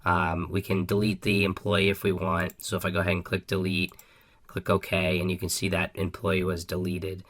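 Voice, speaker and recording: Coding tutorial host, male, low-ish voice, bright and slightly raspy, casual walkthrough delivery. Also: flat delivery, moderate pace. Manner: upbeat, casual, frequent ums and restarts. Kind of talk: screen-recorded coding walkthrough.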